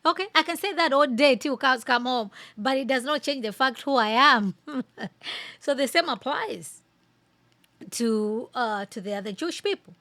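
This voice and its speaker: A woman's voice: high-pitched, animated, moderate pace, sharp tone, dry recording. A woman from Malawi hosting a casual reaction commentary, speaking emphatically and repeating phrases to drive her points home. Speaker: podcast host giving commentary.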